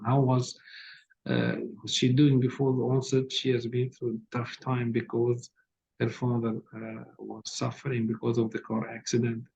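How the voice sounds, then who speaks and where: A man with a low, soft voice giving hesitant but direct feedback as an exam tutor over a video call. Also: gravelly. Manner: hesitant, many fillers, corrective and direct. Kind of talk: online tutoring feedback session. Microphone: laptop on a video call. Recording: dull lo-fi video call audio with faint hiss.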